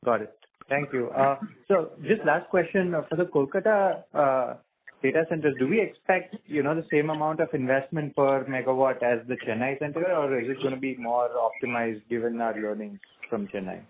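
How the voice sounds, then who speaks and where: A male analyst asks questions on a company conference call. His voice sits at a middle pitch and sounds thin and phone-like. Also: moderate pace, a little hiss or hum. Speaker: caller, analyst asking questions. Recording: narrow, radio-like phone line.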